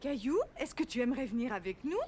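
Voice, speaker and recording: A woman voicing a gentle, patient mother in a children's cartoon, speaking in a reassuring, clearly enunciated way. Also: sits high, lively intonation, quick pace, heavy background noise.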